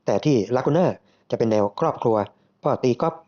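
A man voicing a bright young woman assistant from the north, soft and gentle, explaining her ideas politely. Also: mid-range voice, brisk, lo-fi sound, pitched above the performer's own voice, close to an everyday voice. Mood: gently explaining.

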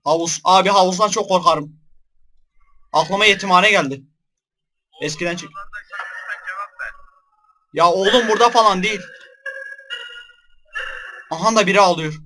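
Young male gamer, high bright voice, scared yelps between jokes, horror let's play. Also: normal speed, long pauses, a little hiss or hum. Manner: jumpy, shouts in fright then jokes. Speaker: gaming YouTuber.

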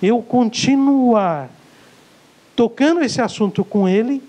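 A man with a Brazilian Portuguese accent coaches an audience in a live lecture. His voice sits high and mellow. He hammers points home by repeating words and acting out little exchanges. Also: slow, low-quality recording. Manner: emphatic, repeats key words, acts out dialogues. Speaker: sales coach giving a lecture.

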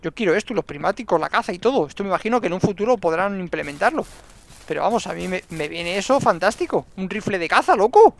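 A man giving excitable gameplay commentary and talking to himself as he plays. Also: sits high, fast talker, vocal fry. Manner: excitable, talks to himself and the game. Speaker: gaming YouTuber.

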